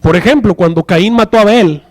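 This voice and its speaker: A man preaches to his congregation, his voice sitting notably high for a man. He teaches steadily and keeps turning to the room with questions like a teacher checking in. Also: brisk, a little mellow. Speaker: pastor. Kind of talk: sermon.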